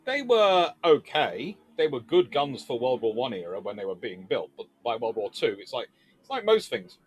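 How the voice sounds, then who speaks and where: A man's voice: mid-range voice, sing-song, normal speed, rough recording. A man hosting an informal history Q&A, talking in a discursive, emphatic way as he reasons through debates. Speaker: naval history video host. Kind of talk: informal explainer and viewer Q&A.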